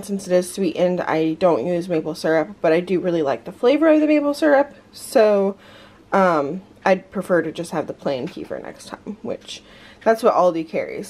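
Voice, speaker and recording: A woman's voice: mid-range voice, a little hiss or hum, rough recording. A woman in her thirties chatting casually to a camera in her bedroom, rambling with many fillers while she puts on makeup. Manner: talks while putting on makeup. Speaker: vlogger. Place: bedroom at home. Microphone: camera on a desk in front of her.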